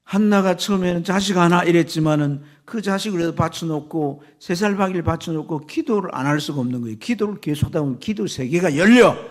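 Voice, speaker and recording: A man, a pastor, preaching a sermon with fervor, swinging from loud exclamations to hushed whispers. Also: on the high side, fast talker, hardly any pauses.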